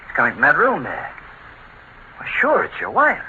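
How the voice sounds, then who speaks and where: Folksy radio beat cop. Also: male voice, a little high, huge pitch swings, moderate pace, bright, forceful tone, a little hiss or hum, heavily acted. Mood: insistent. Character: genial middle-aged male beat cop. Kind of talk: 1940s radio acting. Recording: dull 1940s radio recording.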